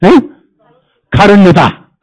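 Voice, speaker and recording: A man's voice: sits high, slow pace, rough recording. A male pastor preaching at a church service, quizzing the congregation with rhetorical questions and mimicking people to make his points. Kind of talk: sermon.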